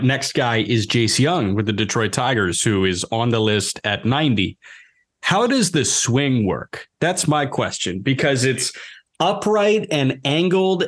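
A man co-hosting a podcast in casual chat, asking his partner quick questions. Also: mid-range voice, fairly bright tone. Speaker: podcast co-host, interviewer.

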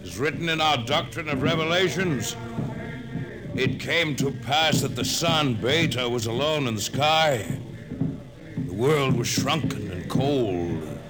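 An actor in a 1950s radio drama playing a fervent cult priest who preaches doom in solemn, declamatory tones. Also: male voice, mid-range voice, animated, takes it slowly. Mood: solemn, ominous. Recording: old radio recording under loud music.

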